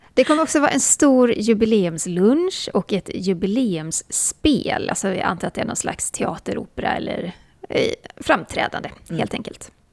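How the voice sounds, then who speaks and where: Her pitch is fairly high for a woman. She swings very widely up and down as she speaks. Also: moderate pace. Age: middle-aged. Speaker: royal news podcast host. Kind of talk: casual chat.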